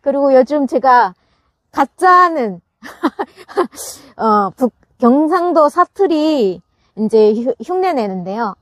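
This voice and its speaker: A woman's voice: sits high, lively intonation, takes it slowly, no room sound, studio quality. A woman chatting casually to her viewers about gardening, laughing often and restarting her sentences as she talks. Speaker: gardening channel host. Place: farm greenhouse.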